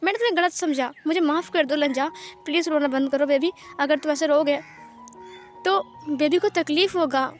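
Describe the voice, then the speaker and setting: A woman voicing an apologetic young man, high and coaxing. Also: moderate pace, close to an everyday voice. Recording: faint background music.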